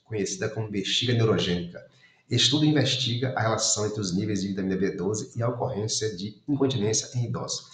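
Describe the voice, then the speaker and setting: A man's voice: lowish voice, a bit bright. Methodical man walking through exam answers. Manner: methodical, reads options aloud and rules them out. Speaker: exam prep teacher. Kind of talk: commented exam walkthrough. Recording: roomy echo.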